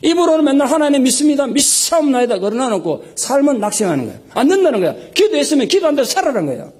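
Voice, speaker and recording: A man's voice: very high-pitched, wildly swooping pitch, rapid-fire, a little mellow, breathy edge. A male pastor preaching a Sunday sermon with emphasis, acting out prayers and rebukes in raised tones. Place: church sanctuary. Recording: live sermon recording.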